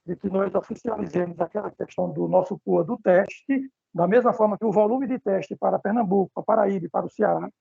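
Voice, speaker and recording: A man's voice: sits high, brisk, vocal fry, warm tone, breathy edge, no room sound. A man with a Brazilian accent speaking formally in an online meeting. His audio is choppy and keeps cutting in and out. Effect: choppy audio that cuts in and out. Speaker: meeting participant. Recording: dull, dry, lo-fi call audio.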